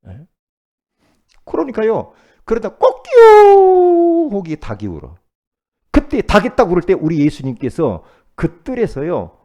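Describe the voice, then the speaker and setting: A male pastor preaching a sermon in a folksy, colloquial way, asking rhetorical questions and acting out quoted speech, with sudden swings from loud outbursts down to near whispers. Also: on the low side. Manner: acts out quoted speech dramatically.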